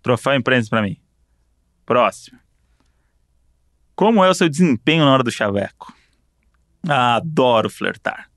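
Brief: male co-host, mid pitch, teasing and jokey, dry close sound. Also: animated, normal speed, pauses often, fairly bright tone, no echo. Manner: playful, joking, teasing. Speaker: podcast co-host. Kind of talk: casual chat, reading quiz options.

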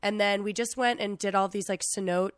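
A woman in her late twenties with a standard American accent, sick and losing her voice, telling travel stories in an animated casual chat. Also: medium pitch, fairly quick, dry recording, studio quality. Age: late 20s. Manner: animated, chatty, peppers stories with "like" and acted-out quotes. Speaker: podcast host.

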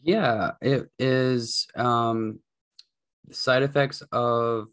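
A woman co-hosting a podcast, talking casually, slowly searching for her words. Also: very deep voice, steady tone. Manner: slow, hesitant, searching for words. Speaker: podcast co-host. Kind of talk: casual chat. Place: room, sitting far from the mic.

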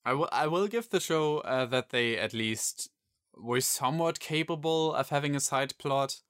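A man taking part in a casual podcast discussion, talking in a measured way and weighing points fairly. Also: fairly high pitch, fairly bright tone, clear, resonant tone, no room sound, clean studio sound. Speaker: podcast co-host.

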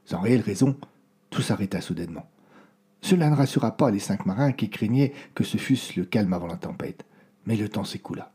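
A man narrating a story in a hushed, suspenseful way. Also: lowish voice, lively intonation, a little fast, breathy edge.

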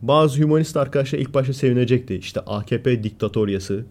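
A man co-hosting a casual podcast chat, telling stories animatedly and acting out the loud lines of the people in them. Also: mid-range voice, fast. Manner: animated storyteller, acts out quoted shouting. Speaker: podcast co-host.

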